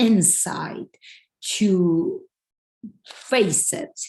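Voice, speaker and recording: A woman with an Iranian accent speaks at a medium pitch in a somewhat breathy voice. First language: Farsi. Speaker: professional speaker and workshop co-host. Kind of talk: personal testimony in a workshop. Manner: halting.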